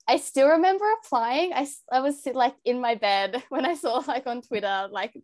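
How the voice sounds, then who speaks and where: A woman's voice: normal speed, dry recording. Young-sounding Australian woman, dry close mic. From New South Wales, Australia. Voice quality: high-pitched, young-sounding voice. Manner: earnest and chatty, with frequent "like" and "um". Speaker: podcast guest. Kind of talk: casual interview chat.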